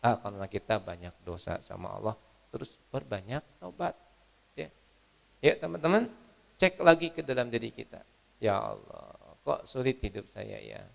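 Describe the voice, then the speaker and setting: A man preaching an online Ramadan sermon, moving between loud fervent exhortation and soft, intimate talk. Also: medium pitch, creaky, big-room sound. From Indonesia.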